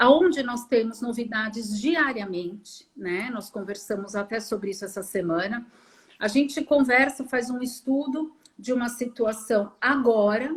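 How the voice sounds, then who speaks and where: A woman speaks in a São Paulo accent at a fairly high pitch. Her pace is fairly slow, with ordinary pitch variation. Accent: drawn-out paulistano accent, S. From São Paulo city. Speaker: pediatrician. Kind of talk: casual chat on live stream. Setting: Instagram live video.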